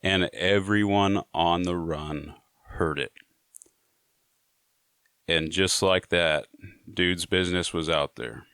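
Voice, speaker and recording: Deep, smooth-voiced male storyteller. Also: takes it slowly, pauses often, a bit bright, no echo, studio quality. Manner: conversational and laid-back, with frequent "you know". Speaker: storyteller sharing prison stories. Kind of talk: casual storytelling to camera.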